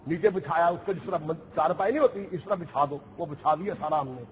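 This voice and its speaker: High-voiced mocking preacher. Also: male voice, slight background noise. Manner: mocking, animated storytelling with quoted dialogue. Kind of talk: storytelling sermon.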